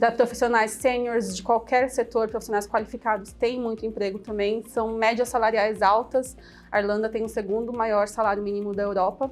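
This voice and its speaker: Speaking at a moderate pace with hardly any pauses, a woman keeps a fairly high pitch and a monotone, flat intonation. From Brazil. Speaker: tech recruiter. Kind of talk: interview testimony.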